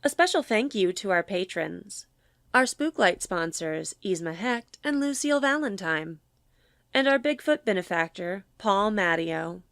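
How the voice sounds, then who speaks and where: A woman's voice: medium pitch, expressive, a little slow, fairly bright tone, dry recording, studio quality. A woman reading scripted credits and announcements as an announcer. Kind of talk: scripted narration.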